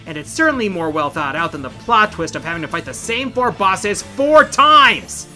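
A man's voice: high voice, sing-song, normal speed, sharp tone, soft background music. A middle-aged man hosting a countdown in scripted video essay narration, with an emphatic, theatrical delivery. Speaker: video game countdown host.

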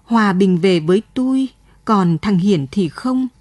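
A grieving old village mother, worn out with sorrow, speaks tearfully and pleadingly in a radio story, voiced by a woman reading it. The voice is mellow and a little husky, close and dry. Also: mid-range voice, expressive, unhurried, dry recording.

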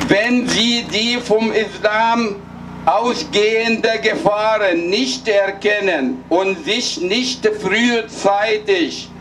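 Slow, high-voiced older man. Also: fairly bright tone. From Egypt. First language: Arabic. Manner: solemn, deliberate, with halting restarts. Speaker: rally speaker. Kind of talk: political rally speech. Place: outdoor night rally in a city square. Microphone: handheld mic, filmed by a distant camera. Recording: far-off voice with street noise.

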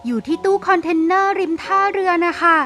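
Woman as poor kind mother, high-pitched, gentle, polite, humble, cartoon drama, faint music. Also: lively intonation, a little fast. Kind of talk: cartoon story voice acting.

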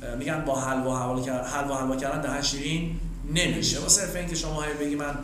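A man with a Persian accent leads an English class. His voice sits a little high, and he talks very fast in his asides. He gives slow, clear model sentences for the students to repeat, in a very echoey room with loud students all around. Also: flat delivery, a little hiss or hum. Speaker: English teacher. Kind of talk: classroom language drill.

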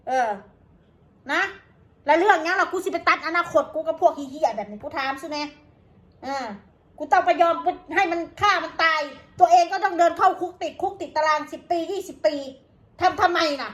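A woman with an Isan accent, talking straight to her viewers in an angry, combative rant full of curses. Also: very high-pitched. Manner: coarse, combative, cursing. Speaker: vlogger.

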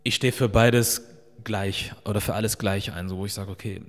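A man in his thirties hosting a podcast, speaking in a relaxed, reflective way into a stand mic, with fillers like "so" and "ähm". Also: fairly low pitch, moderate pace. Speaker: podcast host. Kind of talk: casual interview talk. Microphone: studio mic on a stand. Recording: long reverb of a bare room.

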